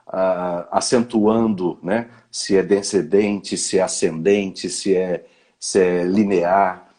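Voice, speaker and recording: A man with a lowish, husky voice. He talks in a didactic way, handing out tips on speaking as short commands and ending phrases with a tag question. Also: steady tone, slow, warm tone. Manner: didactic, gives advice in short imperatives with many "né?" fillers. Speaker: guest speaker on public speaking. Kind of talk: live online conversation.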